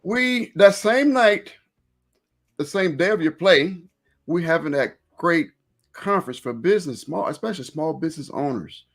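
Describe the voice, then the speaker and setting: A man's voice: a little high, lively intonation, moderate pace, creaky. A man hosting a live stream, chatting informally and rambling a little as he repeats and reworks his phrases. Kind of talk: casual interview chat with event plugs.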